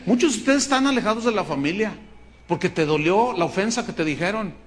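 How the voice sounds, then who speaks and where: Mexican pastor guy preaching, fairly high voice, acts out the people in his stories. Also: lively intonation, fast talker. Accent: Mexican Spanish. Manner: storytelling with acted quotes, emphatic. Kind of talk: sermon.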